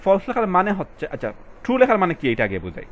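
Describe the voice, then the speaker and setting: Tutor reading English words slowly. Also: male voice, high-pitched, wildly swooping pitch, fairly bright tone, dull audio. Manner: switches between Bengali and English, reads passage lines slowly and stresses words; addresses students directly, casual colloquial. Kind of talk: recorded exam-prep lesson.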